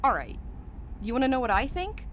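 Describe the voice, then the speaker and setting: A woman's voice: sits high, very animated, brisk, a little hiss or hum. An actress playing a blunt, sardonic, jaded woman courier in a naturalistic audio drama. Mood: heated, critical. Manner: sardonic, hard-edged and blunt.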